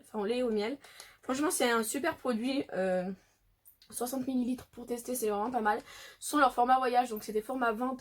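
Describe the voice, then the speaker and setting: A woman vlogger chatting casually through an unboxing, thinking aloud with lots of fillers. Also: fairly high pitch. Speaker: beauty vlogger.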